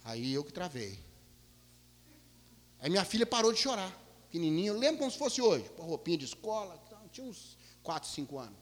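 A male pastor telling a story in a sermon, animated, swinging from loud bursts to hushed low tones. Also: brisk. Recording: long hall reverb.

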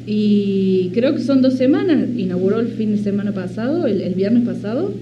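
A woman's voice: mid-range voice, animated, moderate pace, distant mic, noisy background. Argentine woman, eager radio presenter, dull lo-fi sound. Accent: Argentine Spanish. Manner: enthusiastic, laughs often. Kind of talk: casual radio chat.

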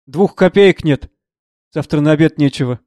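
A man's voice: on the high side, moderate pace, a little mellow, no echo, lightly acted. A man reading a distraught, pleading professor's wife. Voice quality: tearful, pleading.

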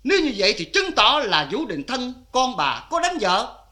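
A shrewd probing lawyer. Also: male voice, very high voice, huge pitch swings, moderate pace, sharp tone, exaggerated voice. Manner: probing, pointed questioning.

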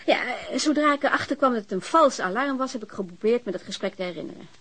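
A vain, flirty female telephone operator in a radio drama. Her voice is very animated, with big swoops in pitch. She is chatty, playful and openly teasing. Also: fast talker, breathy edge, heavily acted. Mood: chatty, matter-of-fact.

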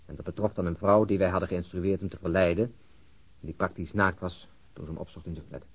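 Husky, cynical police detective. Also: male voice, low voice, level tone, fast talker. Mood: insistent, argumentative. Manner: argumentative, sardonic. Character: cynical, weary, outspoken male police detective. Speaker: actor in a radio crime drama. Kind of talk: Dutch-language radio play acting. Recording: dull, muffled lo-fi audio.

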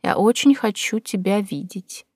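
A woman voicing a slow, insistent foreign lover. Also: high-pitched, husky, dry recording, clean studio sound. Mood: insistent tender. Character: foreign man in love, insistent, firm.

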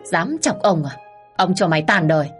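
A woman's voice: lowish voice, expressive, moderate pace, faint music behind, natural voice. A woman voicing a proud, hot-tempered young master who talks in a commanding, threatening way.

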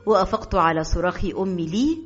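A woman's voice: fairly low pitch, lively intonation, fast, slightly rough. A woman with an Egyptian accent narrating a first-person audiobook with emotional, dramatic storytelling. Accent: Egyptian Arabic. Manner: emotional storytelling mixing formal Arabic and dialect. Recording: dull, lo-fi audio.

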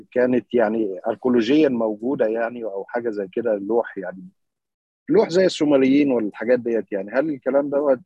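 A man's voice: mid-range voice, warm tone, husky, dry recording. A man with an Egyptian accent calling in to ask several rambling questions over a muffled online connection. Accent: Egyptian Arabic. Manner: rambling, many fillers. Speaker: caller. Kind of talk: call-in questions.

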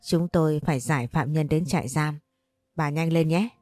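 A woman voicing a male police officer escorting a prisoner, speaking formally and briskly. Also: sits low, warm tone, no room sound, lightly acted.

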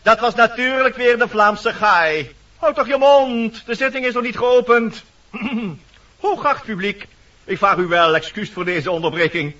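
An actor playing a fussy, officious woodpecker master of ceremonies in a Dutch radio play, formal, pompous and easily exasperated. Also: male voice, high voice, measured pace, sharp tone, distant mic, lo-fi sound, slight background noise.

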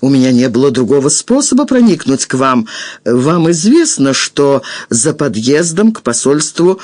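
A man reading the lines of a secretive male spy posing as a count, in a calm and persuasive manner. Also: medium pitch, moderate pace, dry recording, studio quality, close to an everyday voice. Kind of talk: audiobook character reading.

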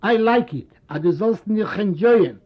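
A man's voice: high voice, lively intonation, moderate pace, pitched above the performer's own voice. A man voicing a successful, self-important son who coaxes his old father and mixes in English words, a native Yiddish speaker. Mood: impatient. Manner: coaxing then impatient, mixing in English words. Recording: dull lo-fi recording.

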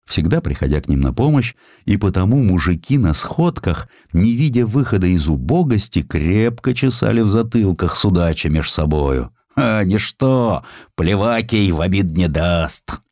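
A man's voice: sits low, dark tone, no echo, studio quality. A man narrating historical sketches as a theatrical storyteller in a dramatized audiobook.

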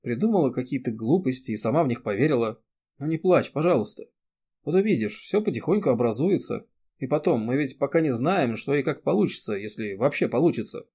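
A man's voice: mid-range voice, animated, a little fast, dark tone, husky. A male reader voicing a blunt, protective young man who talks firmly and soothingly. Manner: firm, reassuring, sometimes barking. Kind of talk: audiobook character reading.

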